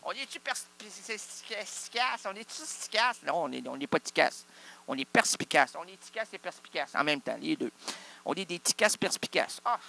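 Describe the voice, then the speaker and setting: A man's voice: high voice, sing-song, normal speed, vocal fry, pushed and bright. A man with a Québécois accent improvising an absurd comic monologue, rambling through wordplay and asking and answering his own questions. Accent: Québécois French. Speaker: comic performer.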